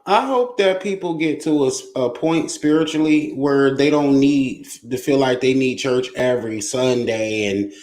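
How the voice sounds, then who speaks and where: Guest on a talk show, calm and thoughtful, middle pitch. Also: normal speed, few pauses. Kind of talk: casual chat.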